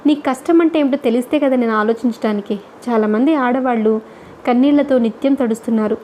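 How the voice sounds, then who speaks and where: A woman voicing a thoughtful young woman student who speaks in a steady, reflective way. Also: on the high side, quick pace, a little hiss or hum, close to an everyday voice. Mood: calm, reflective.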